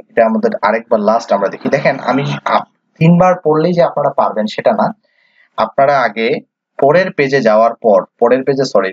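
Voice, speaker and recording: A man's voice: mid-range voice, slightly rough, no echo. A man from Bangladesh teaching English reading, sounding out letters one by one and patiently asking and answering his own questions. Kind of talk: classroom lesson, spelling out letters. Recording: dull, dry, lo-fi sound.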